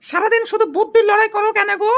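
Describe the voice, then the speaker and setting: Scolding young village wife played by a woman, extremely high voice, Rajshahi Bengali accent, exasperated, for cartoon comedy. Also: flat delivery, racing. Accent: Rajshahi Bangladeshi Bengali. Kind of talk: amateur cartoon comedy dialogue.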